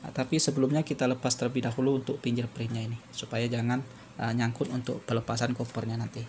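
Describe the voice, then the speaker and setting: A man presenting an unscripted step-by-step repair tutorial, halting and repetitive as he explains. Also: mid-range voice, flat delivery, darkish tone, slight background noise.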